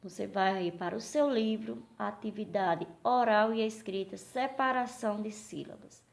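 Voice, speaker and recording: A woman teacher with a Brazilian accent gives a recorded lesson for young children, slowly asking questions and answering them herself. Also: medium pitch, vocal fry. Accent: Brazilian Portuguese. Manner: slow, patient, asks questions and answers them.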